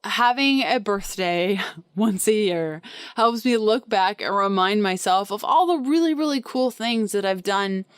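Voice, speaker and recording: Chatty woman podcast host, crisp voice. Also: mid-range voice, measured pace, no echo, studio quality. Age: 30s. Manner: chatty and candid, with filler words. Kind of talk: casual solo podcast monologue.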